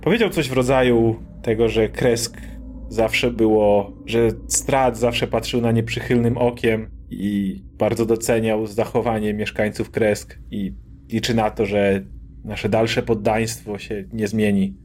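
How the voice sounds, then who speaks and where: A man voicing a grieving, wary middle-aged mayor who talks softly and hesitantly. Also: fairly low pitch, fairly even intonation, measured pace, slight background noise, close to an everyday voice. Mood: subdued.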